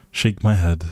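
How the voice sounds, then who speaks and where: A man's voice: fairly low pitch, mellow, no room sound. A man hosting a casual game livestream, talking to his viewers with playful, teasing informal banter.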